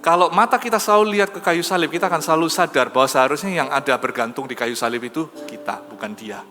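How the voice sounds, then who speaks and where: A man preaching a sermon as pastor in a conversational, animated storytelling manner. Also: on the high side, quick pace. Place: church. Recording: reverberant church hall with soft music.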